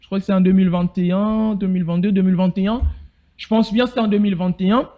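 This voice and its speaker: A Congolese man hosting a TV talk show from a studio, speaking French with a Congolese accent. His voice is high, and he talks indignantly, firing rhetorical questions and sometimes rising to a shout. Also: steady tone, quick pace, phone-quality sound. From Bandundu, DR Congo. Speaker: TV show host. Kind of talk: live political talk show monologue.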